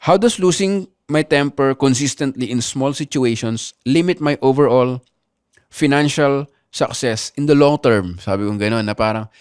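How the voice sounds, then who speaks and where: A man hosting a podcast, telling stories in animated casual chat with constant tag questions. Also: mid-range voice, clear, resonant tone, no echo, studio quality. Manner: animated storytelling with frequent "di ba" asides. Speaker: podcast host.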